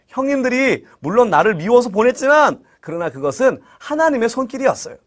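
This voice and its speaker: Joseph, a young ruler, speaks with a commanding edge that softens into gentle reassurance, as a man puts him on. The voice sits high and moves a lot. It belongs to a lively Bible story told to children. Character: Joseph, stern then tender young male ruler.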